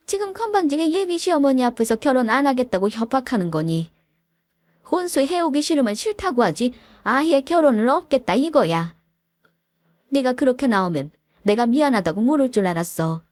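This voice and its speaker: A woman voicing a greedy, domineering middle-aged mother-in-law in a dramatized story reading, with a shrill, scolding delivery. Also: sing-song, moderate pace, warm tone, no room sound. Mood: furious.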